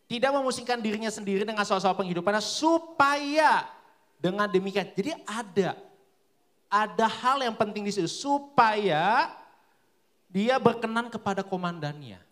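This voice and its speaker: High-voiced young preacher. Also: male voice, moderate pace. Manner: lively, colloquial, full of rhetorical questions. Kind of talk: sermon.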